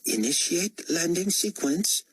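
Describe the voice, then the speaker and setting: A man putting on a brisk, capable young woman with a raised, lively pitch. The voice stays husky and breathy, and the lines come out quick and helpful. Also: low-quality recording.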